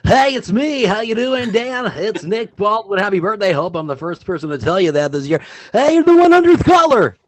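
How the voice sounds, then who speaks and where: A man doing a booming announcer voice message. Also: big pitch swings, moderate pace, few pauses. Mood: hyped. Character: man leaving a hyped radio-announcer-style voice message. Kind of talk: mock voicemail demo.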